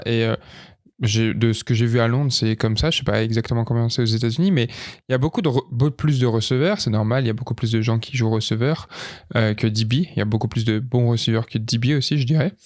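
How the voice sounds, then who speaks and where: A man's voice: mid-range voice, quick pace, no room sound, clean studio sound. A man co-hosting a podcast, chatting casually and agreeing as he chimes in. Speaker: podcast co-host. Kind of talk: casual chat.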